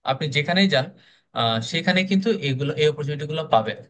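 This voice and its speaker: A man's voice: on the high side, lively intonation, quick pace, slight background noise. A young man running a speaking club orientation, talking casually and encouragingly with many fillers. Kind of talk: orientation class talk.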